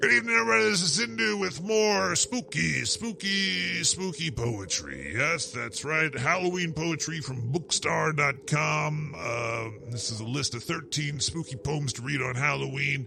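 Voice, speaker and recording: A man's cartoonish character voice at a fairly high pitch and moderate pace, hardly any pauses, with clear background noise. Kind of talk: mock Halloween poetry reading. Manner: casual, irreverent, mock-dramatic.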